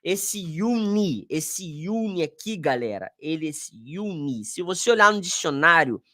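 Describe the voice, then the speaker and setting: A man's voice: on the high side, big pitch swings, unhurried, pushed and bright. A man with a Brazilian Portuguese accent teaching an online exam review lesson, casual and slangy, talking straight to his students.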